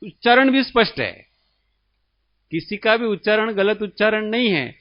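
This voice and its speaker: Man from India, spiritual teacher, religious discourse, high voice, dull lo-fi sound. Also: expressive, no echo. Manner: slow, explanatory, asks the listeners questions.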